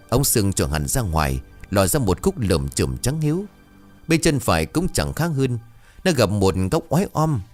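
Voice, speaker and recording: A man narrating a dramatic folk tale with an expressive, swooping delivery. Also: lowish voice.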